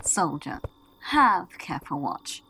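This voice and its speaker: A woman's voice: low-pitched, sing-song, slow pace, creaky, pushed and bright, slight background noise, full character voice, poor audio. A woman acting an uneasy, alert soldier on night watch in a Shakespearean audio drama. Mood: wary.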